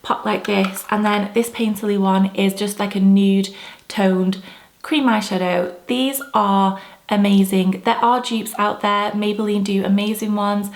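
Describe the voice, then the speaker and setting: A woman's voice: medium pitch, fairly even intonation, unhurried. Young woman, beauty vlogger, stuffy nose from a cold, chatty and gushing, camera mic at home. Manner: chatty, gushing, rambling asides. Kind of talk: casual product review to camera.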